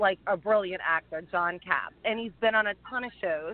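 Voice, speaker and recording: In a slight Southern US accent, a woman speaks with ordinary pitch variation. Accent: slight Southern twang. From Louisiana. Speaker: comedian and actress. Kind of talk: casual interview chat.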